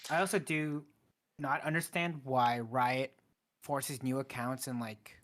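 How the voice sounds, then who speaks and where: A man's voice: medium pitch, fairly even intonation, measured pace, fairly bright tone. A man co-hosting a casual gaming podcast, thinking aloud and sharing opinions a little hesitantly.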